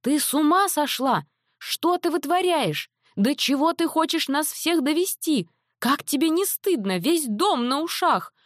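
A woman voicing a frantic, scolding middle-aged mother in an audiobook, her delivery shrill and exasperated. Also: sing-song, normal speed, no room sound, clean studio sound. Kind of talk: audiobook character voice.

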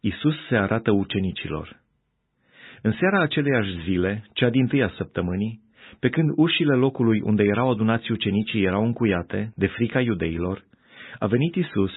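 Low-voiced husky male scripture reader, steady pace, tinny phone-like sound. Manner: steady, unhurried reading.

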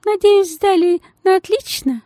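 A woman's voice: extremely high pitch, measured pace, dark tone, dry recording, studio quality, voice pushed up. A woman voicing a stout, genteel lady with a thin, piping voice and an affected, sugary manner in a storybook reading. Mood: gushing sweetly. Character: stout genteel lady, shrill, saccharine then venomous.

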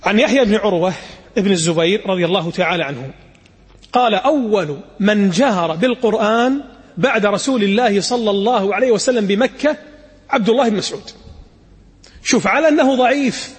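A man teaching a religious lesson, retelling the story with animated dialect asides. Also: high-pitched, brisk, slightly rough. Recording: echoey hall with long reverb.

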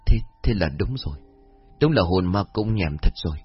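A man's voice: sits low, lively intonation, normal speed, breathy edge. A man voicing a frightened, superstitious young village man who stammers when scared. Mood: nervous. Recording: dull lo-fi audio with faint music.

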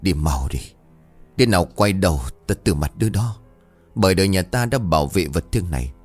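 A man's voice: deep voice, lively intonation, a little fast, darkish tone, faint music behind. A man doing a fierce old village mother. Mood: bitter. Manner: urgent hissing whisper, hard commands.

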